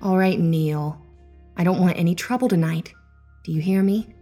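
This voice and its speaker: A man voicing a stern, sharp-tongued woman pub landlady. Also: high voice, normal speed, soft background music, pitched above the performer's own voice, natural voice.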